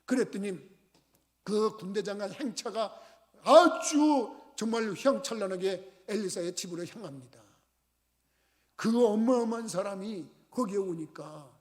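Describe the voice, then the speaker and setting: A man's voice: high-pitched, darkish tone. A middle-aged male pastor preaching a sermon, telling a story and acting out its dialogue. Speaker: senior pastor. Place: church sanctuary. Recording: reverberant church sanctuary.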